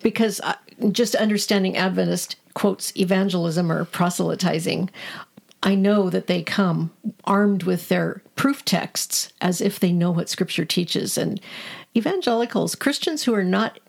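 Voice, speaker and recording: Older woman, podcast co-host, gravelly tone, breathy edge, earnest interviewer. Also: lowish voice, measured pace. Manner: earnest, probing questions. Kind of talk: conversational interview.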